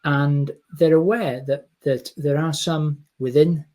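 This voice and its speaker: A man's voice: fairly high pitch, steady tone, slow, warm tone. Man hosting an interview. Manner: summarizing and rephrasing guest's answers. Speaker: podcast host. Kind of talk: interviewing a guest.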